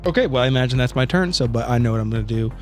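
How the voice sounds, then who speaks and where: A man's voice: medium pitch, expressive, rapid-fire, soft background music. A man chatting casually as a tabletop player, rambling and informal as he talks.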